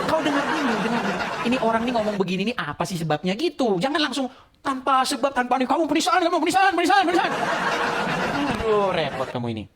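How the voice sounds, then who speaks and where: A man's voice: very high voice, noisy background. Emphatic man ranting on a livestream. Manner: emphatic, heated, repeats "gitu loh". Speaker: channel host. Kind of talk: livestream monologue. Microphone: phone camera.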